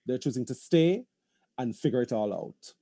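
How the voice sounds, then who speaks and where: A playwright on a video call panel, talking thoughtfully and halting with many restarts. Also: male voice, medium pitch, lively intonation, warm tone. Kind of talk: panel discussion.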